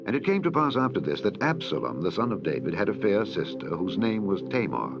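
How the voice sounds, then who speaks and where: A man reading Bible scripture in a measured, solemn way. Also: fairly low pitch, sing-song, highs cut off. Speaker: scripture reader. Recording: loud music bed under voice.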